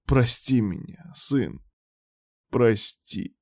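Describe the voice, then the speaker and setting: A man's voice: mid-range voice, very slow, no room sound, studio quality, voice pushed up. A man voicing a remorseful, broken old father who pleads in a wheezy, tearful voice in an audiobook. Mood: tearful pleading. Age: older. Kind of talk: audiobook character voice.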